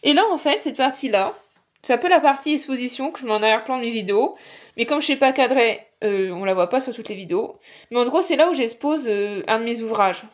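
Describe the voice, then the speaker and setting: Animated and quick, with a voice on the high side, a young woman who is a booktuber and author gives a casual tour of her book collection at home among her shelves. She's chatty, rambling along with plenty of fillers.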